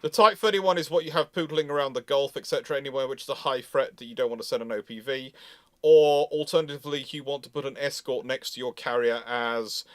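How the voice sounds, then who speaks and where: A man's voice: mid-range voice, steady tone, fast, no echo, clean studio sound. A man explaining things emphatically in a live question-and-answer discussion, often restarting his phrases. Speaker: host and naval historian answering questions.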